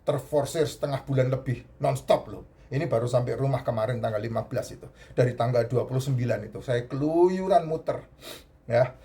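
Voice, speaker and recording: A man's voice: mid-range voice, a little fast, mellow, slightly rough. Chatty man with a stuffy nasal voice. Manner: chatty, repeats points, restarts words. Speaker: host giving health advice. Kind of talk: casual health talk to camera.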